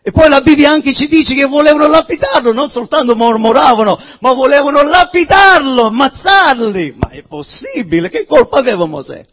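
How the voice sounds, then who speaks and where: A man preaching a sermon in Italian, which is not his first language, with fervent shouting that drops to sudden hushes. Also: very high-pitched, expressive, normal speed, hardly any pauses, big-room sound. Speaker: pastor.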